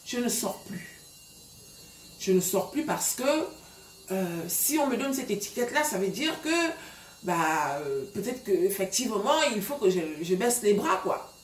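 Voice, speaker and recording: A woman's voice: medium pitch, expressive, moderate pace, slight background noise. A woman in her thirties from Gabon, casually telling a story to her viewers with lots of fillers. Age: 30s. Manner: chatty, many fillers, addresses viewers directly. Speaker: vlogger giving relationship advice. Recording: echoey room.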